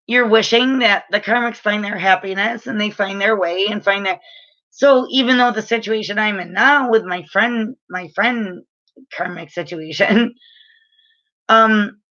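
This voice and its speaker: A woman's voice: medium pitch, unhurried, fairly bright tone, muffled recording. A woman in her late thirties, a spiritual reader, giving frank, chatty advice to camera with lots of filler words. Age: late 30s. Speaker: spiritual reader and energy healer.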